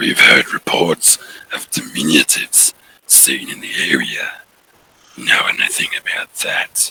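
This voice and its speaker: Using a put-on character voice, a man speaks with a raspy, extremely high pitch at a fairly slow pace. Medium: actual play. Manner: authoritative, contemptuous.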